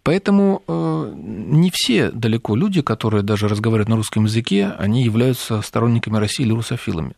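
A male commentator talks through political questions in long turns, pausing often on hesitation sounds. His voice is gravelly and a little husky, recorded dry and close. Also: on the low side, darkish tone, no echo. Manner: long explanatory turns with frequent hesitation fillers. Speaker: studio guest, political commentator. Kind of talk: political talk show discussion.

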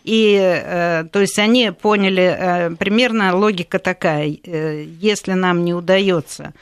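A woman in her sixties from Latvia, a politician, who speaks with frequent pauses, fillers and restarts in a conversational interview. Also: on the low side, fairly even intonation, clear, resonant tone, dry recording, clean studio sound. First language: Russian. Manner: hesitant, many fillers and restarts.

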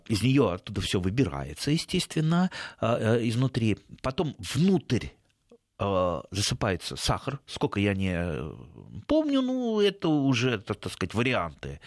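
A man's voice: medium pitch, huge pitch swings, measured pace, dry recording, studio quality. A man giving gardening advice on a radio show, in a folksy, rambling way with many hesitations and restarts. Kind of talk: casual advice chat.

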